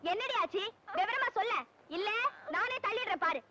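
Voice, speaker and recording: A woman's voice: extremely high pitch, normal speed. An actress playing a bossy older village woman who scolds and teases, with a Tamil accent. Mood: scolding. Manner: scolding, teasing. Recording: old film soundtrack under loud music.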